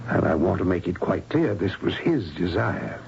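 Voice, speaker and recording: An actor playing a patronizing senior hospital doctor with condescending emphasis in a 1970s radio drama. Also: male voice, low-pitched, sing-song, moderate pace, vocal fry, a little mellow, full character voice. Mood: persuasive, jovial. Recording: muffled, noisy old radio recording.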